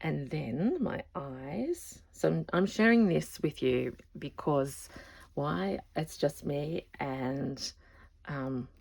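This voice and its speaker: A woman craft vlogger in casual show-and-tell chat, rambling and often trailing off softly. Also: low-pitched, lively intonation, slow pace, creaky, breathy edge.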